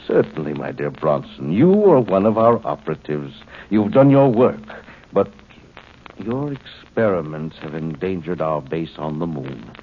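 A cold alien intelligence from a 1950s science fiction radio play. The voice is very low and swings expressively through formal, condescending phrases with smug amusement. The old recording is muffled, with faint noise. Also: male voice, very animated, a little slow, heavily acted. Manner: formal, smug, pedantic, coolly mocking. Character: cold superior alien of pure energy, condescending villain. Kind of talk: 1950s radio drama acting.

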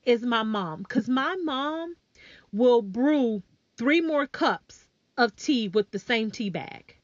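A woman's voice: fairly high pitch, slow, dry recording. A woman hosting a podcast who tells a story casually and talks straight to her listeners. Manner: animated, addresses listeners as y'all. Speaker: podcast host. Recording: dull lo-fi sound.

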